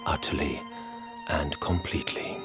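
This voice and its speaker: An actor playing a vengeful aging count, grave and intense, in a radio drama. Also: male voice, extremely low pitch, wildly swooping pitch, measured pace, exaggerated voice. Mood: cold. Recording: music score behind.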